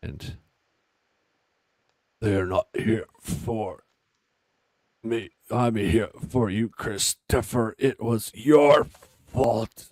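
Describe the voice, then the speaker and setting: A man uses a put-on character voice at a medium pitch. He speaks at a very slow pace with long, frequent pauses. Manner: menacing, accusing.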